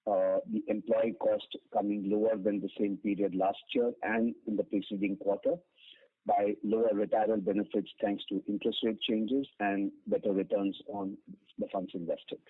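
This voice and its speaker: A man's voice: on the low side, level tone, moderate pace, no room sound. A man with an Indian accent giving a formal financial briefing as a finance executive, reading out figures matter-of-factly with hesitations. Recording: narrow tinny phone conference line.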